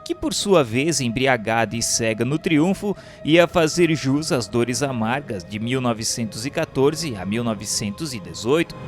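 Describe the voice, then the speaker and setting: A man with a Brazilian accent reading a scripted narration in a solemn, formal, declamatory way. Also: medium pitch. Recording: music bed under the voice. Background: instrumental music.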